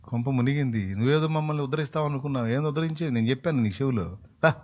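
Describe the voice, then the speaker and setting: A man's voice: mid-range voice, rapid-fire, a little mellow. A male pastor, preaching a sermon in a colloquial, emphatic way and acting out bits of dialogue.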